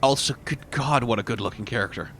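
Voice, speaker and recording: A man's voice: medium pitch, fast talker. A man giving casual video game commentary, musing aloud in a wry way. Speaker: gaming video host. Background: faint game music.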